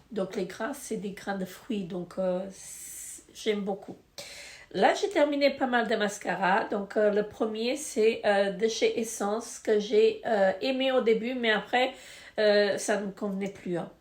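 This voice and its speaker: A woman with a stuffy, congested nose, reviewing beauty products in a casual, hesitant way full of fillers. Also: mid-range voice. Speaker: beauty vlogger. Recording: echoey room.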